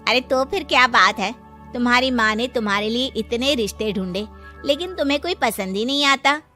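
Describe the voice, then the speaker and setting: A woman's voice: a little high, a little fast, pushed and bright, soft background music. A woman playing a pushy matchmaking aunt. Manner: pushy, busybody. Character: meddling middle-aged aunt, matchmaking.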